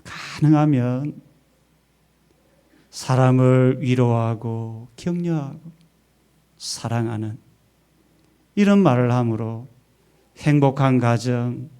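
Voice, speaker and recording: A man's voice: mid-range voice, slow, long pauses, warm tone, clear, resonant tone. A male pastor preaching a Sunday sermon in a church, emphatic, asking rhetorical questions and leading the congregation to repeat after him. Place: church sanctuary.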